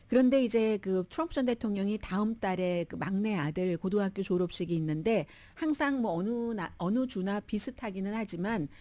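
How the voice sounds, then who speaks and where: A woman's voice: mid-range voice, warm tone. A woman hosting a radio news show, giving chatty, opinionated commentary on the day's news and laughing at her own asides. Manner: chatty, opinionated, quotes people in little voices, laughs at herself. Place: radio studio.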